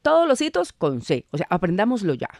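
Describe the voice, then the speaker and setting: A woman's voice: mid-range voice, wildly swooping pitch, fairly quick, a little mellow, no room sound. A Colombian woman explaining spelling rules patiently as a guest on a radio show, speaking in a studio. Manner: patient, didactic, laughs easily.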